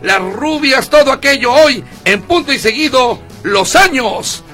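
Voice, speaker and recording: A Mexican man hosting a radio show with a high, bright voice. His talk is chatty and joking, like casual radio banter. Faint music plays behind him. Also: animated, moderate pace. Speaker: radio host.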